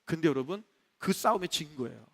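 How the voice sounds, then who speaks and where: A male pastor preaching a sermon in a church, animated, acting out the voices he quotes. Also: a little high, brisk. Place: church sanctuary. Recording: long reverb of a church hall.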